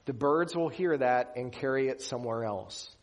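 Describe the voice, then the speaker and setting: A man from Western Pennsylvania preaching a sermon in an earnest, emphatic way. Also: mid-range voice. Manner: earnest, emphatic preaching with slow deliberate pauses. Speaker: pastor.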